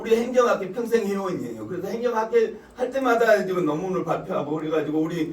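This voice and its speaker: Lively intonation from a high-pitched man, with audible room echo and noticeable background noise. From South Korea, South Jeolla (Wando). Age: 70s. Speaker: retired professor. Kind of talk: lecture. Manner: rambling, informal.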